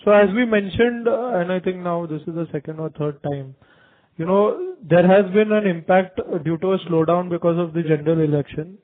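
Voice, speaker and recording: A man with an Indian accent answering as a company executive on an earnings call, in long, haltingly phrased explanations. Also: high-pitched. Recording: narrow tinny conference phone line.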